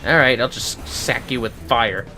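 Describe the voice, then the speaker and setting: A man's voice: medium pitch, unhurried, bright, forceful tone, soft background music. A man livestreaming a game with casual, cocky, sweary commentary. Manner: sweary, cocky trash talk.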